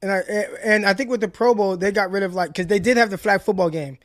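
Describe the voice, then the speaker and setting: A man co-hosting a sports podcast, talking in a passionate, deliberate and emphatic way. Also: high voice. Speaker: podcast co-host. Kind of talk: casual sports chat.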